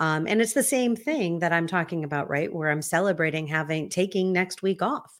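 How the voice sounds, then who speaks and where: A woman speaks in a plain, everyday voice with ordinary pitch variation and very even loudness, on a very clean recording with a silent background. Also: fairly low pitch for a woman, fairly quick pace. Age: 50s. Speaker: podcast co-host and coach. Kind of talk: casual chat.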